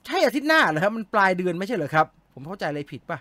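A man with a high, bright voice chats casually with his live-stream viewers, reading their comments aloud and answering with jokes. His voice sits close to the mic in a dry, deadened space. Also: big pitch swings, rapid-fire, no echo. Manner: chatty, joking, reads comments aloud and answers them.

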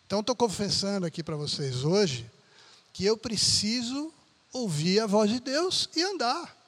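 High-voiced man preaching conversationally. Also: a bit bright. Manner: conversational preaching with frequent tag questions. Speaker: pastor. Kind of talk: sermon.

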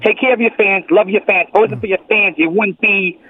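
A male radio caller with a high voice and fairly even intonation speaks briskly, rambling politely through a complaint on a call-in show. His voice comes through the tinny line of an old flip phone, with slight background noise.

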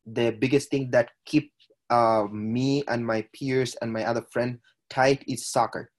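With a steady tone and measured pace, this mid-range male voice belongs to a podcast guest from Ethiopia in his 20s. He shares his personal story in conversation, hesitating often with filler sounds and restarts.

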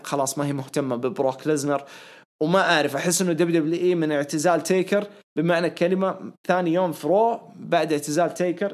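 A man talks fast and eagerly on a podcast, with a hoarse, worn voice. His pitch sits a little above the usual for a man. He rambles through excitable opinions in a loose, casual way. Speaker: podcast host. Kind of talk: casual wrestling podcast chat.

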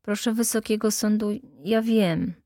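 A woman's voice: medium pitch, steady tone, unhurried, warm tone, dry recording, clean studio sound. A woman voicing a meek male defendant who answers the court timidly and formally.

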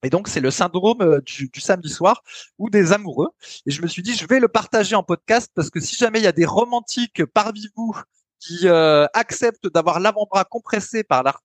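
A man's voice: high-pitched, fairly quick, no room sound. A man co-hosting a podcast, explaining in a casual chatty way with many hesitant fillers. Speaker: podcast co-host.

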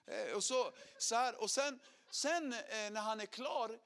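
A middle-aged man telling his conversion story as a sermon testimony, animated, acting out quotes and swinging from loud to hushed. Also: very high-pitched.

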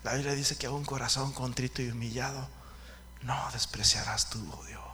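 A man's voice: medium pitch, fairly even intonation, normal speed, pushed and bright, slight background noise. A man preaching a fervent sermon who keeps calling out to his listeners as brothers. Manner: fervent, calls out to the congregation often.

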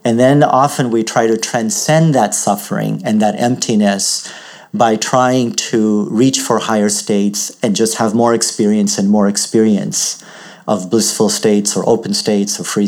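Fairly low-pitched man from Uganda, spiritual teacher, measured and thoughtful delivery with frequent pauses. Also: darkish tone. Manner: thoughtful, measured, pausing to find words. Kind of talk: reflective spiritual talk.

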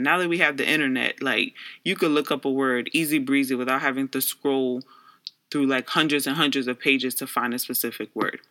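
A man's voice: medium pitch, pushed and bright. A young man from the Bronx, New York, whose first language is Garifuna, earnestly reflecting on his experiences as a social worker. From Bronx, New York, USA. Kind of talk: personal reflective monologue.

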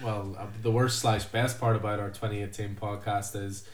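A man's voice: lowish voice, level tone, normal speed. A man hosting a casual podcast chat, rambling and chatty with filler words. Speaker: podcast host, comic shop staff. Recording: roomy, distant mic.

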